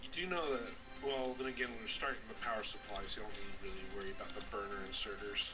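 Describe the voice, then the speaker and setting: A man's voice: on the low side, fairly even intonation, very fast, recorded from a distance, low-quality recording. A man playing a co-op game with a friend, giving brief, offhand replies. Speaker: co-op teammate. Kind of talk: casual game chat. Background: music.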